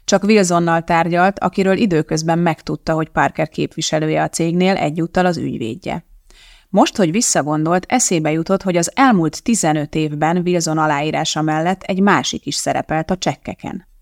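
An audiobook narrator giving a measured scripted reading of a novel. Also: mid-range voice, gravelly, no room sound, clean studio sound.

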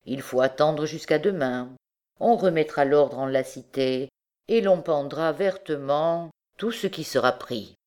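A woman's voice: low-pitched, measured pace, a little mellow. A woman reading the part of a scheming, suspicious old king who muses darkly and barks orders, in an audiobook. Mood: commanding. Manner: musing, then barking orders.

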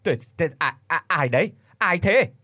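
A greedy village shaman in a horror audio story blusters and stammers, as a man puts him on. His husky voice jumps sharply up and down in pitch. He sounds dry and close. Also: big pitch swings, fast, dry recording. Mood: frightened.

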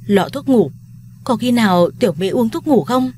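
A woman's voice: on the high side, lively intonation, normal speed, dark tone, slight background noise, pitched above the performer's own voice, lightly acted. A woman voicing a tender, worried mother. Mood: panicked. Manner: pleading, tender, insistent. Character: anxious loving middle-aged mother.

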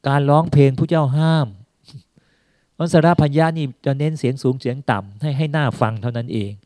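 A man's voice: on the high side, fairly quick, a little mellow, dry recording. A man, a Buddhist monk, giving a conversational sermon, retelling a scripture story and then recapping it in plain words, with casual fillers throughout. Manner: sprinkles casual particles and fillers through his talk.

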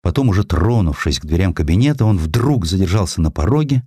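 A man narrates a historical sketch in a very low voice. His delivery is theatrical and highly animated, swinging widely in pitch. The sound is dry and close, with hardly any room. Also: a little fast, husky, dry recording. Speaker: audiobook narrator. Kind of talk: expressive dramatized reading of historical sketch.

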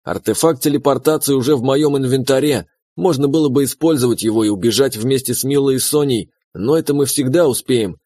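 A man narrating a fantasy game novel in the first person at a measured, steady pace. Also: mid-range voice, no echo. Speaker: audiobook narrator.

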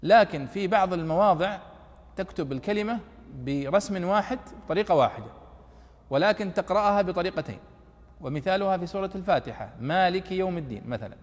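A man's voice: high-pitched, animated, quick pace, in a large hall. A middle-aged man giving a lesson on Quranic exegesis, explaining patiently and often checking that his listeners follow. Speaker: teacher. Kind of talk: classroom commentary on Quranic exegesis.

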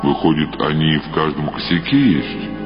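A man voicing a puzzled, curious young stoner in a slow, gruff, questioning drawl in an audiobook. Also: a bass voice, expressive, big-room sound, pitched below the performer's own voice. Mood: curious, surprised. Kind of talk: audiobook character dialogue. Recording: dull radio-like sound over loud music.

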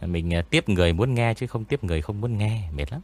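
A man with an eerie, spooky-sounding voice, a ghost story narrator chatting in a relaxed, rambling interview with frequent pauses. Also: lowish voice. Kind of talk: casual interview chat.

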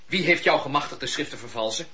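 An actor playing a stern, righteous religious leader in a historical radio drama, preachy and emphatic. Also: male voice, medium pitch, fast, crowd noise, natural voice. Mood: indignant. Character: stern, indignant male religious leader of old England. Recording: muffled lo-fi radio drama recording.

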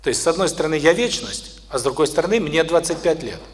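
A middle-aged man giving a spoken lecture to an audience, unhurried, with many pauses and restarts. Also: a little high, animated, slight background noise.

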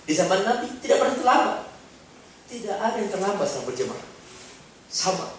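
A male preacher tells a sermon story in an animated way, swinging from hushed to emphatic. His voice sits somewhat high for a man. He is recorded from far off in a very echoey hall. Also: a little fast, a little hiss or hum.

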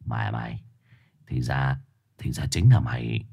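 A man's voice: high voice, animated, a little slow, breathy edge, voice pushed up, heavily acted. A man voicing a young man trapped in a dog's body, pleading and growling. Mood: growling rage. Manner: desperate, pleading.

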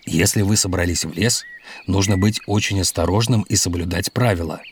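Patient doctor, lowish steady voice, explains things like a teacher. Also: male voice, fairly quick, slight background noise. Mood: instructive. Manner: calm, instructive, explains patiently. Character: calm adult doctor out picking mushrooms.

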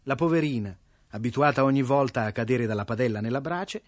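A man narrating a classic tale for radio in a lively, wry storytelling manner. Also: medium pitch, brisk, no room sound, clean studio sound.

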